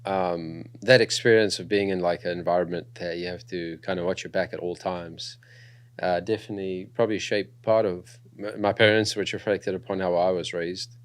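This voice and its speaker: A man's voice: low-pitched, normal speed, clean tone, no room sound. A young man from South Africa with a South African accent, telling his story as a guest in a casual podcast interview, with lots of fillers. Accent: South African with New Zealand influence. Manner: relaxed storytelling with frequent fillers.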